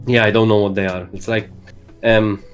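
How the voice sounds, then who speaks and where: Low-voiced young Maltese man. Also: level tone, moderate pace, soft background music. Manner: hesitant, many fillers, calls his own voice bassy. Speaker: guest streamer. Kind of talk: casual interview chat.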